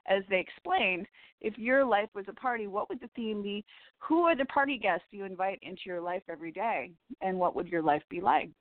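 A woman hosts a spiritual call-in show in a scratchy, hoarse voice, talking in a rambling, heartfelt way and breaking into small laughs. She comes through a tinny phone line with a dry, close sound and no room around her. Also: medium pitch, lively intonation, brisk, dry recording. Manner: chatty and heartfelt, with little laughs and restarts. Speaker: radio show host and psychic reader. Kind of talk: rambling spiritual radio monologue.

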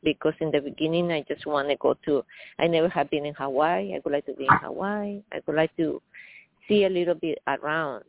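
Woman in her fifties, halting speech, lots of fillers, phone-line sound. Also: low voice, creaky. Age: 50s. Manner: hesitant, halting, many fillers. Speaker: caller. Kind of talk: phone-in call.

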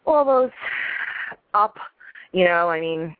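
A woman's voice: fairly low pitch, lively intonation, slow, no room sound. A woman chatting casually and bluntly as a phone-in co-host. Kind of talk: casual chat. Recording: dry tinny phone line.

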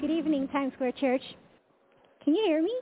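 A woman's voice: sits high, normal speed. Small-voiced woman in a reverberant church. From India. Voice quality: small, soft voice. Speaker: church testimony speaker. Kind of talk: personal testimony before a congregation. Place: large church sanctuary. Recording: tinny, narrow sound with long hall reverb and faint music.

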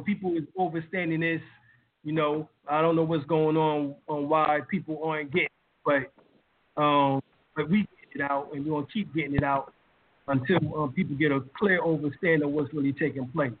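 A man hosting a live-stream lecture, talking casually with lots of fillers and building emphasis. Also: on the high side. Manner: emphatic, with many fillers and rising heat. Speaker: lecturer and show host. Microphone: video call. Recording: tinny phone-like line.

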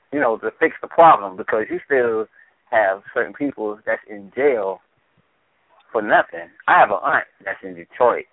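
A man's voice: fairly low pitch, no room sound. A man from Trinidad and Tobago with a Trinidadian accent calling into a talk show, casual and friendly. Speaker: caller. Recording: dry tinny phone line.

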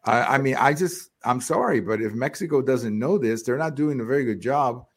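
A male talk show host questioning his guest in an animated, incredulous way. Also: medium pitch, normal speed. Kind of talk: casual political talk.

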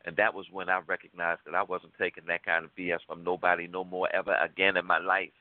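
A man's voice: deep voice, fast, dry recording. Man telling a story over a tinny line. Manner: animated storyteller, acts out quoted lines, colloquial. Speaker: radio talk show co-host. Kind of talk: storytelling on a call-in talk show. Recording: tinny phone-line sound, dry.

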